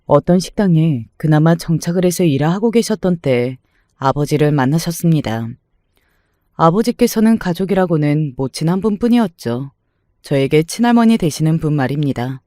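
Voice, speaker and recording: A man narrating a true-life family story in a measured, somber way. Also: fairly high pitch, animated, warm tone, no echo, clean studio sound.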